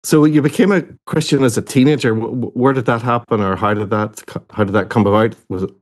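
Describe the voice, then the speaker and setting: A man hosting a daytime Christian radio show, introducing and interviewing a guest in a gentle, measured way, sometimes repeating words when unsure. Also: medium pitch.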